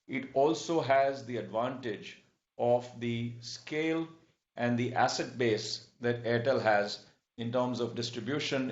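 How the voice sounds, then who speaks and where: A man answering as a company executive on an earnings call, in a measured, halting, explanatory manner. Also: mid-range voice. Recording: dull, echoey conference-call audio.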